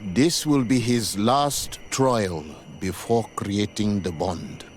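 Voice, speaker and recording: A stern tribal elder in a fantasy video game. He speaks slowly and solemnly, teaching with measured authority, over noticeable ambient background noise. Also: fairly low pitch. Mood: solemn, instructing. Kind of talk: video game dialogue acting.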